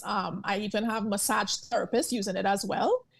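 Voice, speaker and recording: In a Trinidadian accent, a woman speaks at a fairly high pitch with fairly even intonation. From Trinidad and Tobago. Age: 40s. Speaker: small business owner. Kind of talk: interview about her business.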